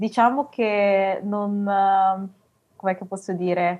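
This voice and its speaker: A woman speaks at a medium pitch. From northern Italy, Biella. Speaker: beauty queen and artist. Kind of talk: casual chat.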